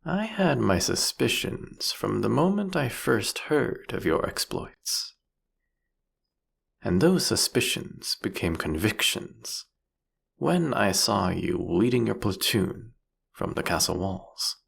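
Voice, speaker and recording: A deep, husky vampire king, acted by a man, speaks with slow, gravelly menace. He is sardonic and theatrical, drawing out his teasing taunts as if savoring them in a fantasy audio roleplay. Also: very animated, exaggerated voice. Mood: grudging admiration. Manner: theatrical, mocking, drawn-out, teasing phrasing. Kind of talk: scripted audio roleplay monologue addressed to the listener.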